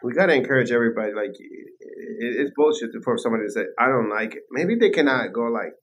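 A man's voice: medium pitch, animated, quick pace. A man interviewing in a casual, conversational style, with an informal and blunt way of talking.

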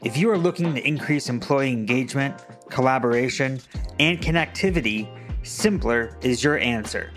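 A man's voice: medium pitch, normal speed, a bit bright, faint music behind. A man reading a short sponsor advertisement in a polished promotional tone. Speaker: sponsor announcer. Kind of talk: read advertisement.

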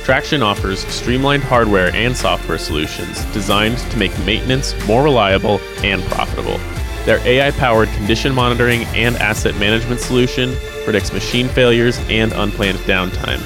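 A man with a fairly low voice reads a scripted sponsor ad in a smooth, promotional manner. Music plays clearly behind him throughout. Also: normal speed. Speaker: sponsor announcer. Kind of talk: scripted ad read.

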